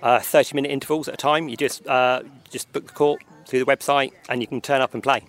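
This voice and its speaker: A man's voice: medium pitch, fairly even intonation, fast talker, fairly bright tone. Hesitant man chatting outdoors. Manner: hesitant, filler-heavy. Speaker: tennis club chairman. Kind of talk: casual outdoor interview. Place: outdoors at a tennis club.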